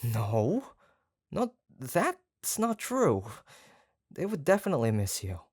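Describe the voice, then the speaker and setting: An actor playing an obsessive, doting yandere kidnapper in a roleplay audio drama, halting and coaxing, tender yet menacing. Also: mid-range voice, wildly swooping pitch, slightly rough, dry recording, clean studio sound, heavily acted. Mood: gushing, insistent. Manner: halting, gushing, coaxing, with nervous stammers. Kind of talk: roleplay audio drama, intimate one-sided monologue.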